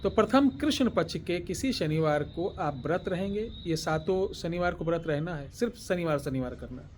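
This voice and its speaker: Man slowly dictating a mantra. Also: a little high, expressive, slight background noise. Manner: slow deliberate dictation, chanting words one by one; repeats phrases, throat-clearing pauses. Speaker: tantric spiritual teacher. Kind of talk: devotional instruction with mantra dictation.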